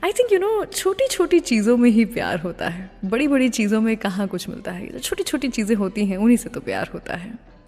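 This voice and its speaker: A woman's voice: on the high side, big pitch swings, fairly quick, a little mellow, long reverb tail. A woman hosting a radio show in a conversational storytelling style, mixing English phrases into her Hindi. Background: music playing under the voice.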